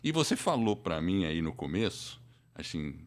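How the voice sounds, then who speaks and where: A Brazilian man hosts a casual interview podcast. His voice is a little low, and his intonation moves up and down a lot as he comments and asks. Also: big pitch swings, normal speed. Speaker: podcast host. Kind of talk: casual live-stream interview.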